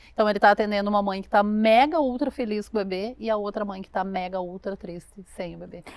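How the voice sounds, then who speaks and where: A woman speaks at a very fast pace with hardly any pauses. Her loudness swings a lot, and her pitch varies in an ordinary way. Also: medium pitch for a woman. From southern Brazil, Missões region of Rio Grande do Sul. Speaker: bereavement support NGO representative. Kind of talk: interview conversation. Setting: studio interview in a shop.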